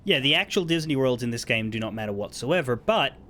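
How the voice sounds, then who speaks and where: Man doing animated game commentary. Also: medium pitch, fast, a little hiss or hum. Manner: analytical, casually sweary. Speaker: let's player. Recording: game music behind voice.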